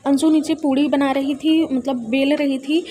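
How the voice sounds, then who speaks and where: A woman's voice: high voice, steady tone, moderate pace, warm tone, slight background noise. A young woman chatting casually in a home vlog, laughing often as she talks, recorded indoors on a phone. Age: young adult. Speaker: vlogger.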